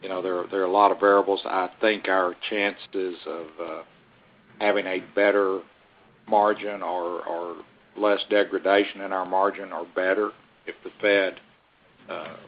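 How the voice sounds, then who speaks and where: A man with a deep voice answers as a company executive on an earnings call. His delivery is unscripted and measured, with halting, carefully qualified phrasing. The audio is dull, like a conference line. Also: level tone.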